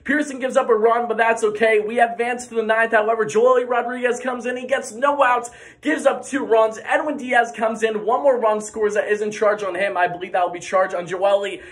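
A young man hosting a post-game sports recap vlog, recorded on a phone at arm's length in a small room, running through the plays with excited bursts of shouting. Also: very high voice, brisk, hardly any pauses. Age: young adult. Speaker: sports channel host.

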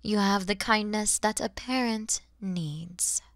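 A woman voicing a kind, motherly mature dragon in an ASMR roleplay, speaking softly and breathily with tender, soothing warmth. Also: mid-range voice, slow, no echo. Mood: grateful, gentle. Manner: soft, breathy, soothing, often near-whispered.

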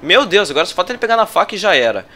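A young gaming YouTuber from Brazil, nervous and sweaty, races through live commentary on his own play in a high-pitched voice with a Brazilian Portuguese accent. Excitable by nature, he swears at the game and lets out frequent yelps when anything happens.

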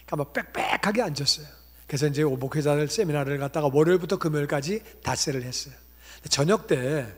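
A middle-aged man preaching a revival sermon, telling stories and acting out conversations with lively shifts in voice. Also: a little high. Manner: animated, acts out dialogue with God and himself. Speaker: pastor. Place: church sanctuary. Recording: long church hall reverb.

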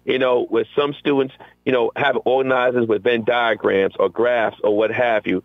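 A middle-aged male teacher, appearing as a guest in a conversational interview, speaks energetically and acts out quotes from his exchanges with students. His voice is mid-range and gravelly at a moderate pace. The audio is tinny, like a phone line, with no room sound.

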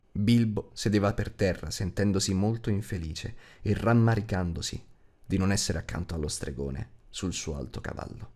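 Guy reading an audiobook, lowish voice, really lively up and down storytelling. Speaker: audiobook narrator. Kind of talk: expressive scripted storytelling.

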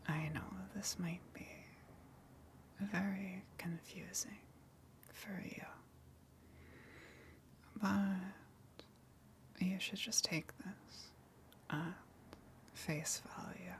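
A woman playing a gentle eldritch tentacle monster in an ASMR roleplay, coaxing and soothing in a breathy whisper with long pauses. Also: on the low side, fairly even intonation. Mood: reassuring, luring.

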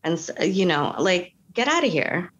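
A woman's voice: on the low side, moderate pace, muffled recording. A woman from Canada, a guest actress in a casual interview, telling stories animatedly with lots of "like" fillers and acted-out quotes. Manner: animated, frequent "like" fillers, quotes people in voices.

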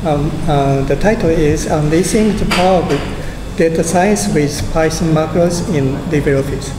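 A middle-aged man from Japan gives a conference talk with a Japanese accent, speaking slowly and haltingly through a string of fillers and restarts. His voice sits a little high. The lectern mic picks up a long, echoey hall reverb along with a clear air-conditioning hum. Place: large conference room. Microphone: room mic at the lectern.

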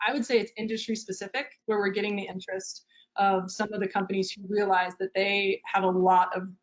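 A woman startup founder calmly explaining her company on a video call, with fillers as she thinks. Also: medium pitch, a little fast. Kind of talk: answering questions on a video call. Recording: dull lo-fi video call audio.

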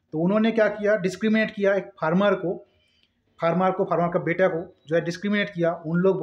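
High-voiced man in an echoey room. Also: a little mellow. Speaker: vlogger. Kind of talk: casual opinion vlog to camera. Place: small room indoors. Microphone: phone at arm's length. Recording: dull, roomy phone recording.

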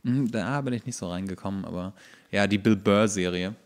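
A man's voice: fairly low pitch, fairly quick. A man co-hosting a podcast, chatting casually and eagerly explaining bits of trivia in a nerdy way. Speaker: podcast co-host. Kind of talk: casual chat about comics and series.

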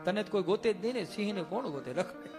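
Man, high voice, homely storytelling preacher at a temple satsang. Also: expressive, quick pace, over music. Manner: earnest, homely storytelling with village sayings. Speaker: temple head giving a satsang. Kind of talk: folk storytelling sermon.

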